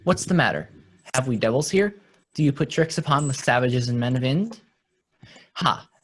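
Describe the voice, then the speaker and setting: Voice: mid-range voice, animated, moderate pace, husky. A performer playing a bawdy, swaggering shipwrecked sailor in a Shakespeare radio play. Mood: blustering.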